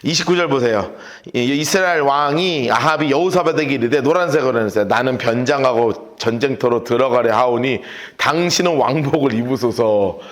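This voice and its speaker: A pastor leading a lively Bible study lecture, acting out scenes and shouting the quotes. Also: male voice, medium pitch, fairly quick, reverberant. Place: church hall.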